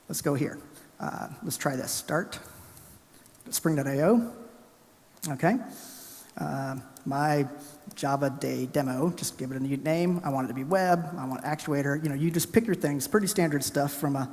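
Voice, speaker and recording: Fast-talking man presenting in a hall. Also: on the high side. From Alabama, US South. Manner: fast, energetic, chatty presenter narrating his screen. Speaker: conference speaker. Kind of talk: live tech conference talk with coding demo. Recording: hall reverb from a conference room.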